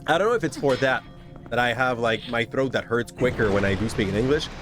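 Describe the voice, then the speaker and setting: A Quebec man with a light Québécois French accent talks a little fast in a mid-range voice, rambling chattily about his gameplay. The gaming streamer often restarts words, with game music playing behind him.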